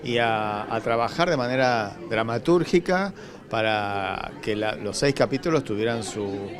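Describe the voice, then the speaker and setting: An Argentine man giving an interview answer in a halting, thoughtful manner, searching for his words. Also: mid-range voice, expressive. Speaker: radio drama scriptwriter. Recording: crowd chatter behind, public event.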